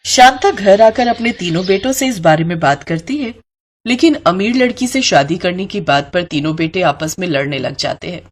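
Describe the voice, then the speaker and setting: A woman's voice: fairly low pitch, animated, moderate pace. A woman giving scripted narration for a cartoon story.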